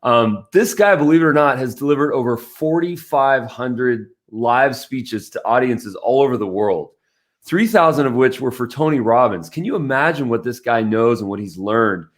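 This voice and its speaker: A man's voice: medium pitch, lively intonation, moderate pace. A man hosting a podcast in a casual, enthusiastic and complimentary way, chatting as he interviews. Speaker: podcast host.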